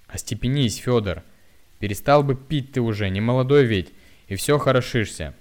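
A man's voice: mid-range voice, moderate pace, a little mellow, voice pushed up, close to an everyday voice. A man voicing a weary middle-aged village woman who pleads with and scolds her drunk husband in rustic speech. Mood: scolding plea.

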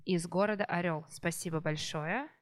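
A woman who is a hospital teacher hosting a podcast, patiently prompting children with gentle follow-up questions. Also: fairly low pitch, moderate pace. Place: children's rehabilitation centre.

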